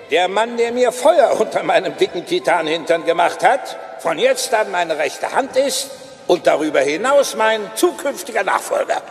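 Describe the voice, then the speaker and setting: A man playing a big, jovial old robot boss in an audio play, with a booming, grandiose manner. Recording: long reverberant hall, music behind.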